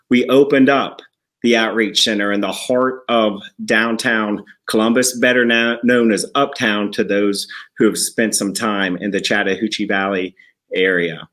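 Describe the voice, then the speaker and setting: A man's voice: mid-range voice, a bit bright. A man hosting a podcast from a church building, introducing and interviewing a guest with enthusiasm and some restarts. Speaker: podcast host.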